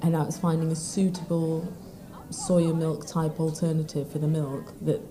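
A woman's voice: sits low, level tone, normal speed, noisy background. A mother answering interview questions thoughtfully, with frequent ums and light laughs.

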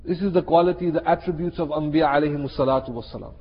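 A muffled recording in a long, echoing hall carries a man preaching. His voice is fairly high and husky, and he drives key phrases home by repeating them, slipping in Arabic and Urdu expressions. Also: racing. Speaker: Muslim preacher. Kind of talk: sermon. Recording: muffled, reverberant hall sound.

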